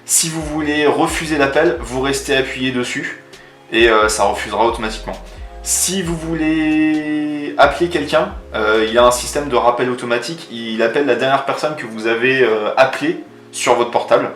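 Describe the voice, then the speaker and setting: A man's voice: mid-range voice, normal speed, a bit bright. A man from casually demonstrating a product as a vlogger, explaining it step by step in informal, colloquial language. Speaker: motovlogger reviewing a product. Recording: roomy echo, faint music underneath.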